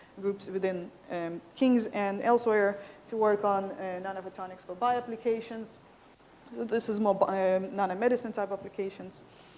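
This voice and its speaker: A soft-spoken woman at a medium pitch, fairly quick in pace, with fairly even intonation. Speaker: physics researcher. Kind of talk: scientific conference talk. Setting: lecture hall with live audience. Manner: hesitant, many fillers.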